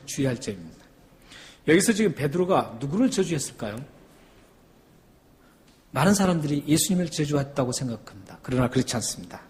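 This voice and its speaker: A man preaching a sermon as a pastor, emphatic and rising to loud peaks, often putting questions to the congregation. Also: a little high. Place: church sanctuary. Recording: long hall reverb.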